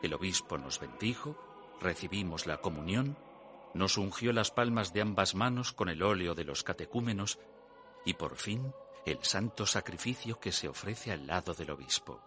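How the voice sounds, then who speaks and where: An actor playing a pious priest who recounts his youth in solemn, measured, literary radio theatre narration. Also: deep voice, expressive. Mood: solemn reminiscence. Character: pious male priest recalling his innocent youth and temptation. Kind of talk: dramatic first-person radio theatre narration. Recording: music under the voice. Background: music.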